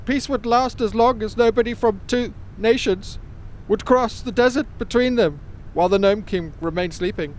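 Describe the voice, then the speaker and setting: A man's voice: high-pitched, normal speed, darkish tone, slight background noise, natural voice. A man playing a solemn teller of ancient history in an amateur audio drama.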